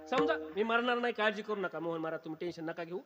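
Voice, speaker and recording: High-voiced man preaching in an echoing hall. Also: fast, bright, forceful tone, dull audio, soft background music. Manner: teasing, keeps quizzing the crowd. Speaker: kirtan preacher. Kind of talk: humorous kirtan sermon to a live audience. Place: kirtan gathering before an audience. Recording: long hall reverb.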